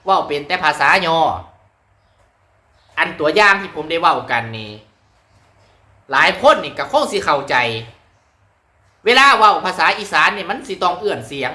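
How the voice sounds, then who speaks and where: A playful, chatty man with an Isan accent hosts his channel as a mor lam comedian and shows off regional ways of speaking. His tone is bright and forceful. The room around him rings with echo. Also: high voice. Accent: Isan (Northeastern Thai). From Nakhon Phanom, Northeast Thailand. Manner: chatty, playful and self-teasing. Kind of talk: casual demonstration of regional dialects.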